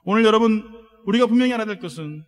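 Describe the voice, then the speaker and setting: A man pastor preaching a sermon, emphatic, calling on the congregation to respond and moving between soft words and loud proclamations. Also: sits high, expressive, racing.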